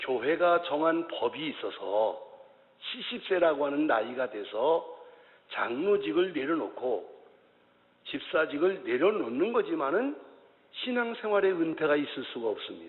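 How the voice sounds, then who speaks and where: Audible room echo is present. A man talks at a fairly slow pace. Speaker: retired pastor. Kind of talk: sermon. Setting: church.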